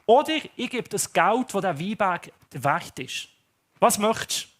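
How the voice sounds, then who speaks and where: A male pastor with a Swiss accent preaches a sermon. He tells the story in an animated way, acting out its characters in a high voice. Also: unhurried.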